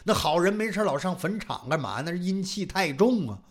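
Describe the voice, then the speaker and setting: A man telling a traditional folk tale, dramatic and animated, voicing every character himself. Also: high-pitched, brisk. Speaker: storyteller. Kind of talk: traditional Chinese oral storytelling.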